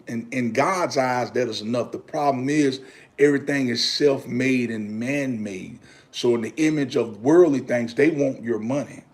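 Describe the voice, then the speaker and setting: Man preaching casually to his viewers. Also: medium pitch. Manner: preachy, repeats himself, talks to viewers as y'all and brother. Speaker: livestream host. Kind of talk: casual livestream chat.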